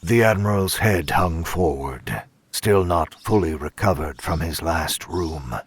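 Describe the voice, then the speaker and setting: An actor playing a composed, polite caretaker, narrating a horror audio drama in a grave, measured manner. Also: male voice, deep voice, husky. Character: composed, somber male caretaker doing grim duty.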